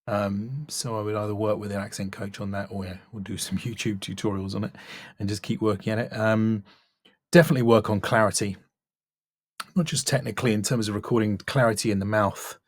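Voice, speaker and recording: A man's voice: fairly low pitch, steady tone, brisk, no echo. A man working as a voice-over coach, giving a casual, thoughtful spoken critique and stressing key words. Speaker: voice-over coach reviewing demo reels.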